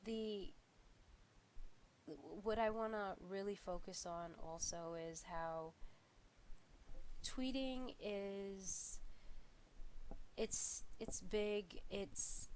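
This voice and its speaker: A young woman giving a class video presentation, sounding congested from a flu and talking in a halting way full of fillers and restarts. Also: mid-range voice, slight background noise, rough recording. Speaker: student presenter.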